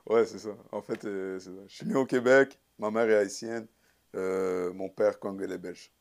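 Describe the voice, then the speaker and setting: A young guest musician from Sherbrooke, Canada, answers interview questions in an easygoing, casual way, laughing lightly. His lowish voice is gravelly and steady, at a normal speed.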